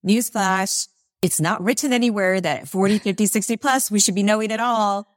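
A woman's voice: mid-range voice, moderate pace, no echo, studio quality. A woman in her forties, a guest on an interview podcast, talking in an upbeat, encouraging way. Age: 40s.

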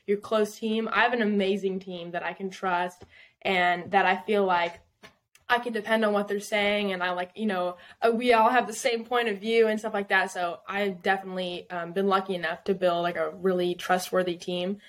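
A woman's voice: medium pitch, fairly even intonation, moderate pace. Chatty young woman singer-songwriter. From Southern California. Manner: chatty, filler-heavy, laughs often. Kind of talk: casual podcast interview.

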